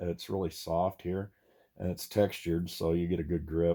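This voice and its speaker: A man's very deep, low voice with a dark, mellow tone and an American accent, fairly even intonation and a moderate pace, on a very clean recording with a silent background. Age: 60s. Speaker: hobby shooter and vlogger. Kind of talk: casual product show-and-tell. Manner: halting, many fillers.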